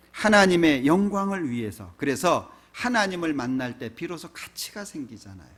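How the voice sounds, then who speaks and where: A male pastor preaches a sermon in a church in a chatty, conversational way. He keeps tossing rhetorical questions at his listeners. His voice sits a touch high and moves around a lot in pitch. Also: fairly bright tone.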